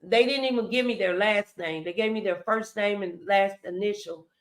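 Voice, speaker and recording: A woman's voice: medium pitch, normal speed. A woman hosting a casual Christian motivational talk, speaking emphatically and encouragingly straight to her viewers. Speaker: talk show host.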